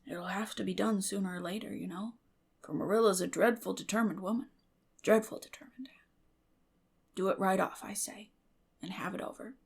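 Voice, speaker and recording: A shy older farmer man, as a woman narrator plays him, very quiet and whispery. He is gentle and hesitant, coaxing kindly in a storybook reading. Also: medium pitch, fairly even intonation, normal speed, vocal fry, pauses often, husky. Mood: nervous coaxing. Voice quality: hushed, whispery.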